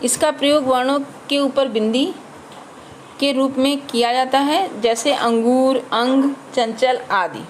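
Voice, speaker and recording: A woman teacher giving a slow grammar lesson to children, spelling out letters and example words one at a time. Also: high voice, a little hiss or hum.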